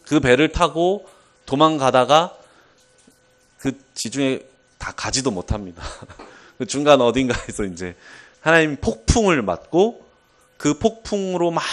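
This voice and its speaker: A man preaching a sermon, telling a Bible story in an animated way with occasional chuckles. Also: medium pitch.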